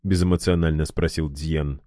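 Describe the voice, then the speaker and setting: Male narrator, low voice, dark tone, dry close sound, measured storytelling. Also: little pitch movement, dry recording. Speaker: audiobook narrator. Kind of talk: scripted narration of a fantasy novel.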